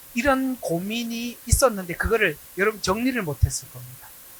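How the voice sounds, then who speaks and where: Using a raised, projected voice and lively intonation, a man talks at a moderate pace. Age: 60s. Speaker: pastor. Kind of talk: sermon.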